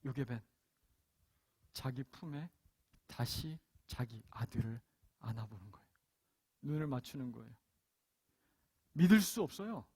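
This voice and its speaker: A man's voice: medium pitch, animated, unhurried, pauses often, a little mellow, breathy edge. A male pastor preaching a Sunday sermon, retelling a Bible story dramatically and acting out the voices. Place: church.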